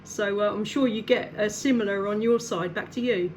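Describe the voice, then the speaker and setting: A woman's voice: mid-range voice, normal speed. A woman CB radio operator making casual contact chat in an upbeat, encouraging way. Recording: clear background noise.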